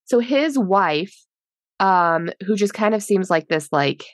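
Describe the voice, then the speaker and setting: A woman's voice: mid-range voice, expressive, slow, dry recording. Giggly woman chatting about a film, dry sound. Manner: giggly, chatty, many fillers. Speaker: podcast co-host. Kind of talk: casual movie review chat.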